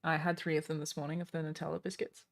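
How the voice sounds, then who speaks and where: Australian woman streamer in her thirties, creaky vocal fry, profane teasing banter, casual chat. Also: low-pitched, flat delivery, fast. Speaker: streamer host.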